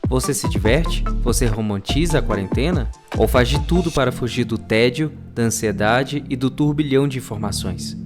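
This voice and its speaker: A man's voice: medium pitch, normal speed, hardly any pauses. Man presenting over music. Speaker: podcast presenter. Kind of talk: scripted episode introduction.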